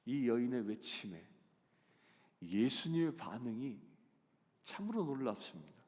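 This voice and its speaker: Male pastor, sermon in a church, swinging pitch, loud emphatic build-ups, long reverb. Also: sing-song, measured pace. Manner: swells to loud emphatic climaxes, asks the congregation questions. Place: church sanctuary.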